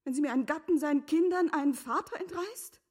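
An actress playing a composed, earnest middle-aged wife in a literary radio drama, speaking formally with a breathy, often hushed delivery. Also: female voice, high voice, quick pace, natural voice. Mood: insistent, pleading.

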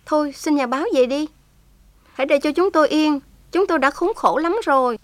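A woman's voice: high-pitched, fairly quick, no room sound, voice pushed up, natural voice. A woman voicing a young heroine who is daring and tender, pleading with feeling. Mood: impassioned. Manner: impassioned, tearful pleading.

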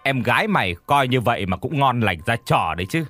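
A man's voice: mid-range voice, lively intonation, fairly quick, fairly bright tone, soft background music. A man voicing a cruel old landlord who sneers and insults his captive in an audio story. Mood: gloating.

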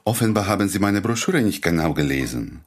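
A man's voice: low-pitched, sing-song, fairly quick, slight background noise. A man playing a mild, humble Jewish doctor and idealist in a radio play, speaking earnestly. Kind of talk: radio drama acting.

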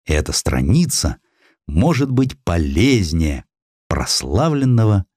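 A man reading historical essays as an audiobook narrator, in an expressive scripted storytelling style. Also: sits low, takes it slowly, slightly rough, no room sound, studio quality. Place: dry recording studio.

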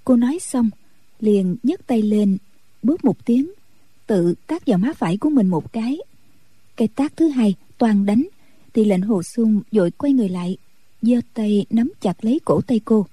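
A woman reading a martial-arts storybook aloud in a steady, even-paced narration. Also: a little high, moderate pace, breathy edge, dry recording, poor audio. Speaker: audiobook narrator.

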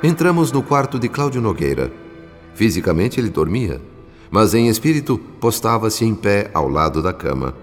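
Benevolent spirit storyteller, deep voice, solemn scripted narration, music behind. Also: male voice, sing-song, moderate pace. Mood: solemn, serene. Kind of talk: scripted radio drama narration. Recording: long reverb, music behind.

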